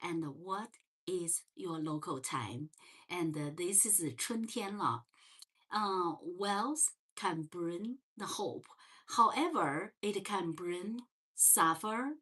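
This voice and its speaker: Woman, Chinese accent, unhurried, gentle livestream host, slightly low voice. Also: expressive, breathy edge. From China. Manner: slow and gentle, many fillers and restarts. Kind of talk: casual livestream chat. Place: parents' home.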